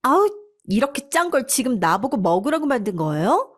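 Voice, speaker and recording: A spoiled young wife who sneers and snaps at everyone around her, as a woman narrator puts her on. Her voice sits high and sharp above the storyteller's own, bossy and scornful from one line to the next. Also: very animated, brisk. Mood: snapping. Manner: scolding, sneering.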